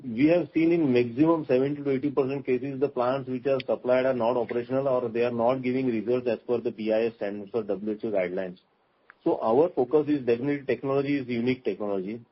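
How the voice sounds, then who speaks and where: An Indian-accented man speaks as a company executive on a conference call. His voice is husky and mid-pitched, and he explains in a repetitive, rephrasing way. The line sounds dull and muffled. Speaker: company executive answering investors. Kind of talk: earnings call question-and-answer.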